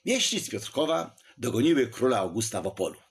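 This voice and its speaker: A man reading a historical novel aloud as narrator, in a lively storytelling manner. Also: medium pitch, fairly quick, slightly rough. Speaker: audiobook narrator.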